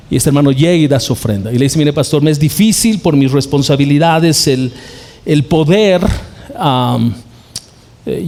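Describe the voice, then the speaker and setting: A man's voice: fairly high pitch, a little mellow. A male pastor from Bolivia preaching a sermon, telling a story and acting out short quoted exchanges.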